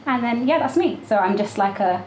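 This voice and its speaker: A woman's voice: on the high side, animated, a little fast, over a noisy crowd. A woman, chatting casually as an interview guest, giggly and full of ums. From London, UK. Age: 20s. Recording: echoey room, faint background noise.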